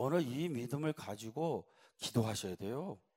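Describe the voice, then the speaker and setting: The recording is very clean with a silent background as a man talks with ordinary pitch variation. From Brazil (Korean immigrant community, São Paulo). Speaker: pastor. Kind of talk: sermon. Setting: church revival meeting with audience.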